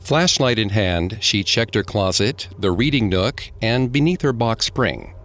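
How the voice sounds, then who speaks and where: A man co-hosting a podcast, reading scripted true-crime narration in a measured, grave delivery. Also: fairly low pitch, expressive, fairly bright tone. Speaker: podcast co-host.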